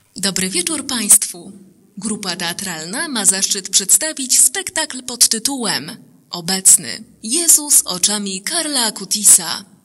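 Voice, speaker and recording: Against noticeable background noise, a woman speaks very slowly with very wide pitch swings. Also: medium pitch for a woman. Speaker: voice-over artist. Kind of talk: theatre performance announcement.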